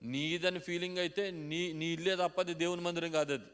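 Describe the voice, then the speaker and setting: A man's voice: on the high side, fairly even intonation, fairly quick, smooth. Man preaching in a reverberant church hall. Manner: call-and-response preaching, building to loud emphatic peaks. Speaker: pastor. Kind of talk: sermon.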